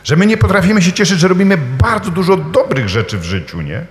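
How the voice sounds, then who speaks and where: A man preaching a sermon in a lively storytelling manner, with rhetorical questions and touches of humor. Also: high voice, quick pace, echoey room, long reverb tail. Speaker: priest preaching.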